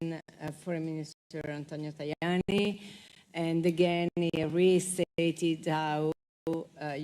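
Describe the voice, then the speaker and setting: Slow, dark-voiced woman. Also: sits low, poor audio. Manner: measured, hesitant, many fillers. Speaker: conference moderator. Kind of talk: moderating an on-stage interview. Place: conference hall.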